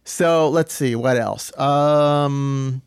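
A man's voice: mid-range voice, very slow, clean tone, no echo, studio quality. A middle-aged man from the Boston area, a guest speaking casually in an easygoing, rambling way with restarts. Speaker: guest, former studio engineer. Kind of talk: casual interview chat.

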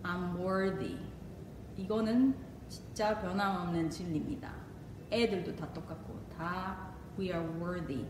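A middle-aged woman doctor from the Gyeongsang region with a Gyeongsang accent, giving casual parenting advice with lots of laughter. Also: takes it slowly. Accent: Gyeongsang Korean. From Gyeongsang region of Korea. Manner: lively, laughs often, switches into English phrases. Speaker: doctor and parenting channel host. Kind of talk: casual advice talk to viewers. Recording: echoey room, mic at a distance, faint rumble.

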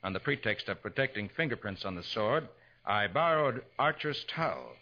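A confident American detective from a 1940s radio crime drama. The voice is bright and forceful with animated pitch, laying out facts with assurance. The old broadcast recording sounds dull. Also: male voice, moderate pace, full character voice. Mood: assured, explaining. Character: confident male private detective, explaining how he solved murders.

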